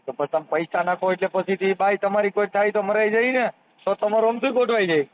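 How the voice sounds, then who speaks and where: High-pitched Kathiawadi man on a phone line. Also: steady tone, fast. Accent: Kathiawadi Gujarati. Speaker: social worker taking a phone call. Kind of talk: casual phone conversation, probing questions. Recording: tinny, narrowband phone call recording.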